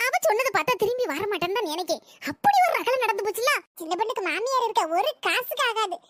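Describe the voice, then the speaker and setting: Brief: woman doing a sly, high-voiced village gossip neighbor for a cartoon, dry close mic. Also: big pitch swings, fast talker, fairly bright tone, dry recording, full character voice. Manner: breathless storytelling gossip. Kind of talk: cartoon comedy voice acting.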